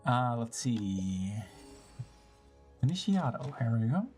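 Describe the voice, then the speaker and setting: Casual gameplay streamer, playful and slangy, sing-song asides, highly varied pitch, faint music underneath. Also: very animated, slow pace, darkish tone. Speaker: game streamer. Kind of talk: casual gameplay commentary with dramatic reading.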